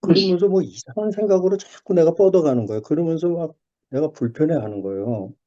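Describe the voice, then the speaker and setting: Middle-aged man, church testimony over a lo-fi call, animated storyteller, deep dark tone. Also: brisk. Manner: storytelling, animated, with many restarts and fillers. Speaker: church member sharing testimony. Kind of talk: personal testimony in a video call. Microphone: video call. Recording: dull lo-fi video call audio.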